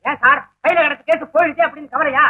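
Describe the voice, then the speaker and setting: An actor playing a brash young troublemaker in a 1960s film comedy, talking excitedly and bursting into shouts. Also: male voice, extremely high pitch, quick pace, narrow, tinny audio. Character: brash cheeky young man, loud comic troublemaker. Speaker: comic young man confessing to a theft.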